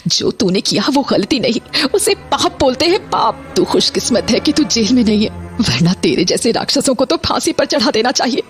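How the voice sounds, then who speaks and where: A woman's voice: fairly high pitch, big pitch swings, normal speed, hardly any pauses, faint music behind. A woman voicing a middle-aged mother who is caring at home but cold and commanding toward her son, in a horror audio drama. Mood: furious. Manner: stern, cutting, commanding.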